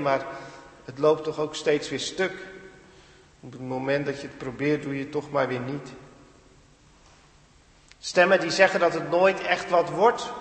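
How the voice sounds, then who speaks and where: A man preaching in a church, his fairly high voice carrying with long reverb through the hall. He speaks earnestly, building to emphatic peaks before dropping back to a quiet, reflective tone. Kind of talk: sermon.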